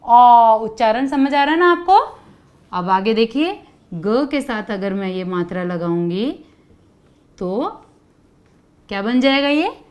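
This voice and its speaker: A woman's voice: on the high side, animated, a little mellow. A woman teaching children letter sounds, asking questions and drawing out each sound for them to repeat. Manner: calls out sounds for children to repeat, stretched slowly; asks many questions. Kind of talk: children's Hindi lesson.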